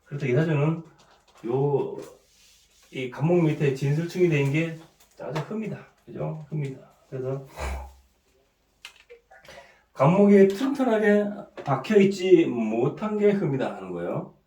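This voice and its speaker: A middle-aged man with a cold and a sore throat, giving an informal lecture. He keeps asking "right?", clears his throat often and restarts his sentences. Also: a little high, animated, measured pace, long pauses, warm tone, distant mic. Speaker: saju fortune-telling teacher. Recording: echoey room, voice set back from the mic.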